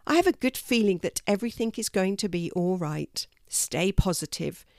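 A gentle, encouraging young animal hero, played by a woman reading aloud. He talks softly and kindly, in a lively storybook way, close to the mic and dry. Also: mid-range voice, moderate pace, no echo. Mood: reassuring. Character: kind, calm, reassuring young male animal.

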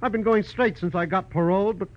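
An American actor playing a shifty, whining little paroled crook, talking in gangster slang in 1940s radio style. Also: male voice, high-pitched, fast, close to an everyday voice. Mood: whining, defensive. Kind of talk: 1940s radio crime acting. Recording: dull old radio recording.

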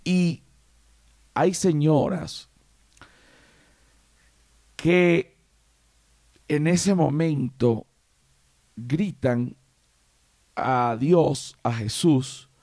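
A man's voice: on the high side, extremely slow, pauses often, mellow, no room sound, clean studio sound. A man hosting a podcast, telling a rambling comic story and swearing casually. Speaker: podcast host. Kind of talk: comic monologue.

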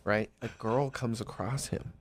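A man's voice: mid-range voice, a little slow. A man co-hosting a casual podcast, eagerly retelling a story with many fillers. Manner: excited retelling, filler-heavy. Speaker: podcast co-host. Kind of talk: casual chat.

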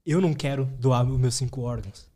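A man's voice: mid-range voice, fairly quick, mellow. A man talking in a casual podcast chat, thoughtful and reflective.

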